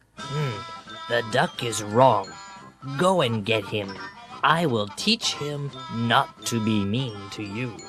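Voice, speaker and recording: Clear music plays behind a man doing a cartoonish character voice at a medium pitch. He speaks at a very slow pace. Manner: sly, scheming.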